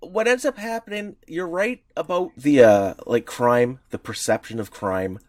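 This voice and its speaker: With a clean studio sound and no room sound, this man speaks at medium pitch and a little slowly. He co-hosts a podcast, talking casually and ramblingly about comics history with frequent fillers and restarts.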